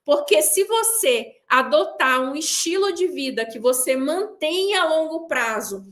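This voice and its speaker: A woman's voice: high-pitched, lively intonation, measured pace, fairly bright tone. A woman coaching viewers in an online class, talking straight to them and hammering her points with repeated, clipped replies. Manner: emphatic, repeats a punchline in a clipped drop. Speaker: weight-loss coach hosting a pre-event class. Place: seated indoors.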